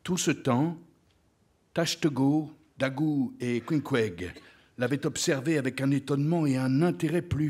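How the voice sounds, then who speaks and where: A man reading a novel aloud on a literary stage, with measured, expressive narration. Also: fairly high pitch, slightly rough. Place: literary stage, live event.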